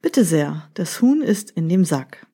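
A scheming grown man who hides his lies behind friendly words, read by a woman telling a storybook tale. The voice is mellow and slightly husky, and the delivery is slow. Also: lowish voice, sing-song, full character voice.

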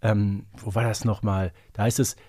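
A man's voice: lowish voice, little pitch movement, moderate pace, dark tone, no echo, studio quality. A man co-hosting a podcast, explaining things casually and reflectively. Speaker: podcast co-host.

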